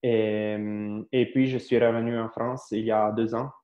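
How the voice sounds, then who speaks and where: A man in his thirties with an Italian accent, an astrophysicist answering interview questions with many pauses, fillers and restarts. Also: mid-range voice, little pitch movement. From Italy. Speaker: astrophysicist guest. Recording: echoey, dull lo-fi live stream.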